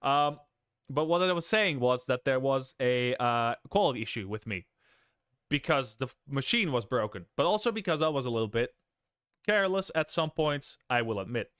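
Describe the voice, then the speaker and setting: A man's voice: medium pitch, expressive, moderate pace, fairly bright tone, clear, resonant tone, no room sound, studio quality. A young man streaming live, casually telling viewers about losing his job and breaking off to thank members. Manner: rambling, self-interrupting, thanks viewers between story bits. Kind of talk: casual livestream chat.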